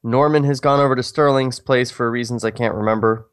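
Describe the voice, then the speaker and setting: A man's voice: medium pitch, steady tone, a little fast, smooth. A man co-hosting a podcast, chatting casually and reading a screenplay aloud, with a self-mocking, profane way of talking. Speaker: podcast co-host.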